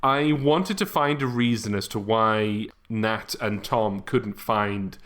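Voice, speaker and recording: A man's voice: lowish voice, takes it slowly, fairly bright tone. A man chatting casually as a podcast host, with a wry, self-deprecating manner. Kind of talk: casual chat.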